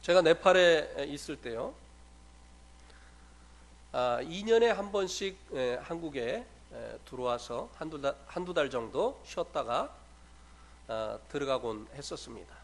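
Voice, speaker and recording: A man's voice: fairly high pitch, animated, measured pace, slight background noise. A man, a former missionary, preaching an evangelistic sermon in a church, telling a personal story with frequent filler sounds and rising to emphatic passages. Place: church sanctuary.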